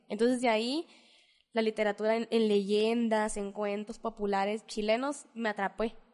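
A woman's fairly high-pitched voice with monotone, flat intonation. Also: moderate pace. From northern Mexico, Ciudad Juárez. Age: 20s. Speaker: actress and theatre teacher. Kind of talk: casual interview.

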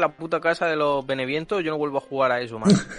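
Noticeable background noise fills the recording. The speaker is a man. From Murcia, Spain. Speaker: podcast host, gaming. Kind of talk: casual chat, podcast banter. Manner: informal, joking, profane.

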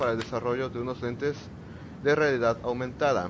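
A man's medium-pitched voice with ordinary pitch variation, against noticeable background noise. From Tuxtla Gutiérrez, Chiapas, Mexico. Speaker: gaming podcast panelist. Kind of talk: news segment.

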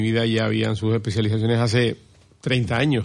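A man talks at a moderate pace in a plain, everyday voice. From Canary Islands, Gran Canaria (Arucas). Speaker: ophthalmologist. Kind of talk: radio interview. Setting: radio studio.

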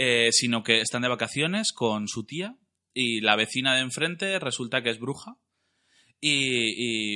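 A man's bright, sharp voice at medium pitch, ordinary pitch variation, quiet background. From Zaragoza, Spain. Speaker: illustrator. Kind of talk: casual chat. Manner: halting, repeats words.

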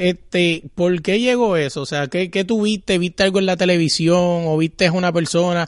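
A man with a strong Puerto Rican accent talks in a high pitch at a moderate pace, his loudness very even, his intonation fairly even, and hardly any pauses. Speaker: podcast host. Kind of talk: casual interview. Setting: in-person interview at guest's home.

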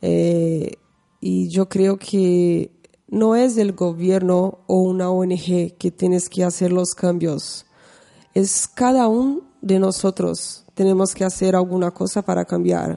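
Her tone dark and mellow, a woman speaks at a medium pitch and a very slow pace, with very even loudness and fairly even intonation. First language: Portuguese (speaking Spanish). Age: 30s. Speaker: podcast guest. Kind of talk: interview.

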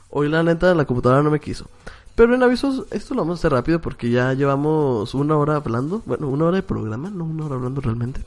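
Speaking very fast, a man uses a fairly high pitch. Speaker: podcast host. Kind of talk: casual chat. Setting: live stream from home.

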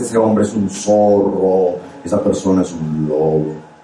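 A man talks at a very slow pace, with audible room echo and noticeable background noise around him. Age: 50s. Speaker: pastor. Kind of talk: sermon.

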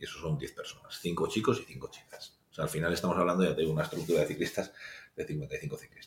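Very fast speech comes from a man in a Spanish accent. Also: big swings in loudness. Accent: Spanish (Spain). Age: 50s. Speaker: cycling team executive. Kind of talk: interview. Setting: in-person studio room. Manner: hesitant, with many fillers.

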